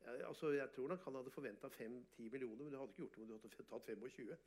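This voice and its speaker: A man, an artist and photographer, telling animated, boastful stories in an interview and often laughing. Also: medium pitch, breathy edge. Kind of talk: casual storytelling interview.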